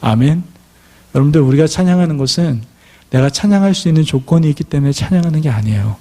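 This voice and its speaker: A man's voice: a little high, very fast, dark tone. A man preaching a sermon as a pastor, telling a story and acting out the people in it. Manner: storytelling, acting out quoted speech.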